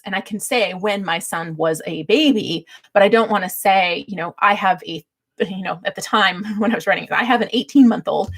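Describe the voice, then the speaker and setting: A middle-aged woman with a slightly husky voice, hosting a casual livestream and teaching in a chatty, light-hearted way. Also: medium pitch. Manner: chatty, laughs readily as she talks. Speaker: livestream host giving book-writing tips. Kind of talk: casual livestream teaching talk with chat replies.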